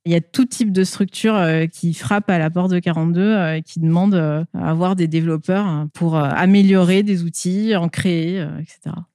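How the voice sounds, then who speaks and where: A woman answers interview questions conversationally through a face mask, halting often with filled pauses. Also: lowish voice, fairly even intonation, warm tone, dry recording, clean studio sound. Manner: hesitant, halting delivery with frequent filled pauses. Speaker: interview guest, school staff working with companies and alumni.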